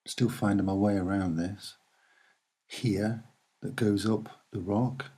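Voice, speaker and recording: A soft-spoken man giving a halting, unscripted commentary as he points things out, with frequent pauses. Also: fairly low pitch, fairly even intonation, breathy edge. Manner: hesitant, halting, with many pauses. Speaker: amateur video presenter.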